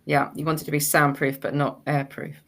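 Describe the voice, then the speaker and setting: A woman's voice: low-pitched, flat delivery, a little fast. A woman hosting a webinar discussion, putting questions to panellists in a conversational way. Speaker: webinar host.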